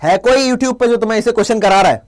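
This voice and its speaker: A man's voice: extremely high pitch, quick pace. A young man with a Hindi accent teaching a live online English class, playful and scolding his chat commenters. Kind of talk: live class with quiz questions.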